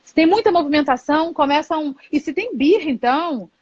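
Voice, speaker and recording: A high-voiced woman in her thirties shares her thoughts as a mother on a live stream, reflective and open, often closing with "né". The sound is dry and dull, like lo-fi stream audio over a video call. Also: expressive, brisk, darkish tone, no room sound. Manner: reflective, candid, many filler "né". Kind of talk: casual conversation on a live stream.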